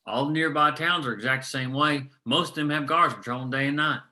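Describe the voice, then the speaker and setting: A man playing a gruff, world-weary, foul-mouthed veteran coal miner in a screenplay table read, with a sardonic, folksy delivery. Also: a little high, fairly quick, bright, forceful tone. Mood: grim, bitter.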